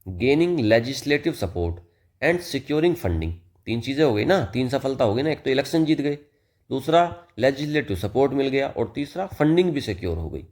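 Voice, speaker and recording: A man giving a vocabulary lesson, explaining English words in a relaxed, chatty way and reading example sentences slowly. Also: mid-range voice. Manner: mixes Hindi and English, addresses listener as "bhai". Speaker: vocabulary teacher.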